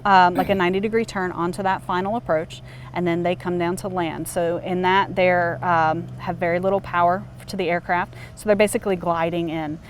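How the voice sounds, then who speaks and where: Woman, slightly low voice, plain-spoken controller explaining procedures, faint vehicle noise behind. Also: fairly even intonation, fairly quick. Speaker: air traffic controller. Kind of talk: informal interview explanation.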